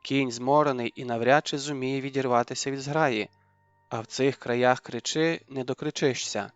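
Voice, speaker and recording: A man reading a historical novel as an audiobook narrator, in steady, even storytelling. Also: medium pitch, moderate pace, smooth, no room sound, lo-fi sound, faint music behind. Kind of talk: scripted narration.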